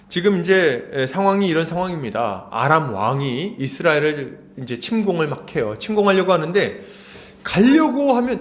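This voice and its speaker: A male pastor preaching a sermon, retelling a story animatedly with rhetorical questions. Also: sits high.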